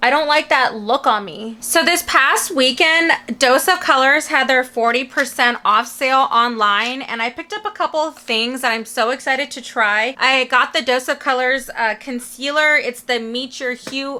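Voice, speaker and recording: In a raised, projected voice, the speaker goes at a moderate pace with hardly any pauses and ordinary pitch variation. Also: woman, high pitch for a woman. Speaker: beauty vlogger. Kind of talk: casual makeup tutorial talk to camera. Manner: very chatty, talkative.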